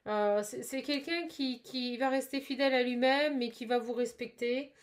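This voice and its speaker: Woman card reader, fairly high voice, hesitant and filler-heavy, encouraging casual delivery. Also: normal speed. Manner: hesitant, many fillers and restarts; chatty and encouraging. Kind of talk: casual card-reading guidance.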